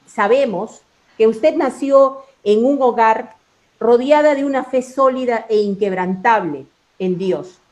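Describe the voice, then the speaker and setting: Woman, higher-pitched voice, Christian program host, devotional interviewing, earnest, formal, reverent. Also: a little mellow.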